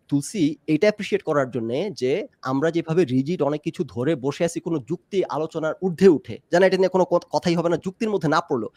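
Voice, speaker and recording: A man's voice: a little high, a little mellow, no echo. A man arguing his point in a casual debate, mixing English phrases into his speech. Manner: argumentative, mixes English phrases into Bengali. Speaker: discussion guest. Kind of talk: casual debate on a live stream.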